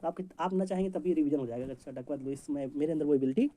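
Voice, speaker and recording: Fast-talking male exam teacher. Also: a little high, dark tone. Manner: rapid, chatty, jokey teaching with homely examples. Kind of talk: memory-trick lesson for competitive exams.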